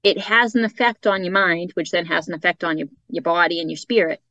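A woman's voice: fairly low pitch, brisk, bright, forceful tone, no echo, highs cut off. Chatty woman with a Boston accent. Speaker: psychic guest. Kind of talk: casual chat.

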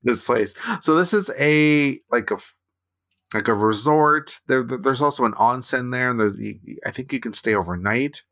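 Bright-voiced Canadian man chatting. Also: mid-range voice, moderate pace. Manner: rambling, with frequent restarts and "right?" tags. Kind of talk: casual chat.

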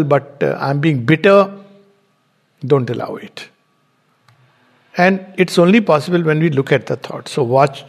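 Man, high-pitched, spiritual lecture, methodical and explanatory. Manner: explanatory, builds points step by step. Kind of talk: spiritual teaching talk.

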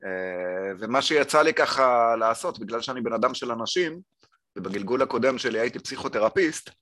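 Halting Israeli man in his forties. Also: medium pitch, lively intonation, fairly bright tone. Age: 40s. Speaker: podcast guest, marketing consultant. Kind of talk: casual explanatory chat.

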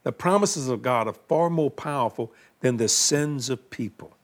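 A man's voice: mid-range voice, expressive, normal speed. An older man, hosting a Christian TV talk show in a folksy, colloquial way and leading a prayer. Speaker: televangelist host.

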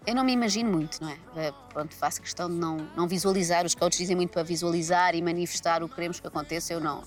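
Portuguese woman comedian, dry ironic chat, rattles along quick, faint music under. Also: lowish voice, fairly even intonation. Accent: European Portuguese. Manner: ironic, skeptical, quick-talking. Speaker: comedian guest. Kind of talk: casual interview talk. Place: large empty arena.

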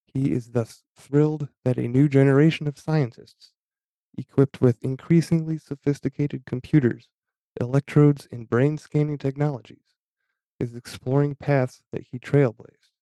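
A man hosting a podcast, talking in a halting, casual way and often stopping to restart his sentences. His pitch stays level with little movement, and his voice has a mellow, dark tone. The recording is close and dry. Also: fairly even intonation, dry recording. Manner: halting, many fillers and restarts. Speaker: podcast host. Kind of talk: casual talk reading aloud from an article.

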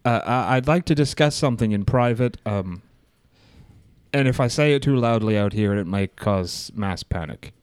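A man's voice: fairly low pitch, moderate pace, darkish tone, clear, resonant tone, dry recording. A man playing a tabletop role-playing game, speaking conversationally in character and describing his actions.

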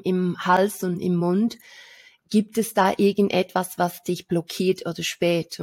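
A woman visualization coach co-hosting a casual weekly talk, telling a client story with pauses and restarts. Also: fairly low pitch, dry recording. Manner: thoughtful, many fillers and restarts. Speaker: visualization coach, podcast co-host. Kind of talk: casual chat.

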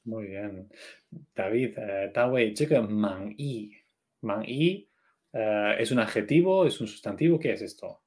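A man's voice: fairly low pitch, expressive, measured pace, darkish tone. A man co-hosting a Chinese lesson podcast, asking questions and checking what he has understood in casual chat. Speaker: co-host of a Chinese learning podcast.

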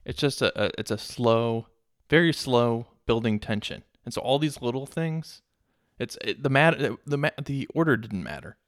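A man co-hosting a casual movie podcast, adding plot details in a halting, thoughtful way with many fillers. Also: medium pitch, animated, no echo, clean studio sound. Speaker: podcast co-host. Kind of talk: casual movie recap chat.

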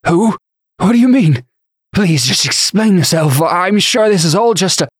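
Man voicing a blustering, frightened bishop, pitched up. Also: animated, unhurried, breathy edge, dry recording, studio quality, full character voice. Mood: terrified pleading. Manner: spluttering, pleading, outraged. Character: indignant, terrified male bishop pleading and blustering. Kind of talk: audiobook character acting.

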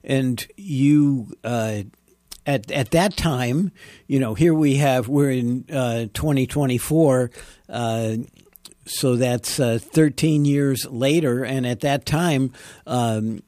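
A male podcast host introducing and interviewing a guest, speaking haltingly with many fillers. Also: mid-range voice, dark tone, no room sound, clean studio sound.

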